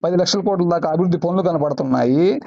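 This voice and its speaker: A man's voice: a little high, fast talker, gravelly. A man with a Prakasam district Telugu accent, complaining heatedly and repeating himself on a landline phone call. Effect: heard over a landline phone. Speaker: caller. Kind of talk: casual phone conversation. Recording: muffled phone line.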